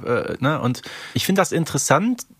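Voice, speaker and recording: A man's voice: fairly high pitch, sing-song, a little fast, a bit bright, slightly rough, no echo, studio quality. A man co-hosting a podcast in casual discussion, thinking aloud and often checking for agreement. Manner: conversational, ponders aloud, seeks agreement. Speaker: podcast co-host.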